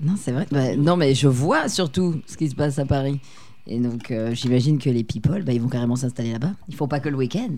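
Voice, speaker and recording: Speech comes at a moderate speed. The pitch moves up and down in an ordinary way. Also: woman, very deep, low pitch for a woman. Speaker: comedian. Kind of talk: casual chat.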